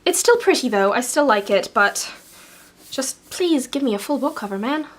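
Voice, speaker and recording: A young woman vlogs a book review straight to camera in a high, bright voice. She is chatty and gushing, and her eager talk runs on. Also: animated, moderate pace. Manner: chatty and gushing, jumps into playful mock voices. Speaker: book vlogger.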